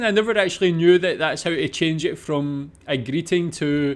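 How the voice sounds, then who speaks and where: A man with a Scottish accent, high-pitched, at a moderate pace with ordinary pitch variation, against a quiet background. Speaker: reaction video creator. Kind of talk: reaction video commentary. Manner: casual, conversational.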